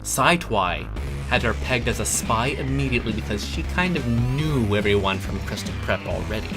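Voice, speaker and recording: Theatrical man narrating with very lively pitch. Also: moderate pace, music in the background. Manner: wry, dramatic, informal. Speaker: reader of comic fan fiction. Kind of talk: theatrical story narration with wry asides.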